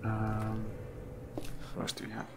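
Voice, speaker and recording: A man's voice: lowish voice, monotone, measured pace. A man giving casual first-impressions commentary on a game, musing aloud hesitantly and often trailing off. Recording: clearly noisy recording.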